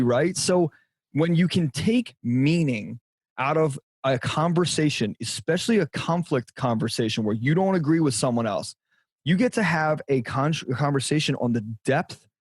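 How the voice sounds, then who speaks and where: A man's voice: on the high side, expressive, measured pace, husky, no echo. A middle-aged man, a guest on a podcast, speaking directly and emphatically about relationships. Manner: emphatic, direct, repeats for stress. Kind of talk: conversational interview.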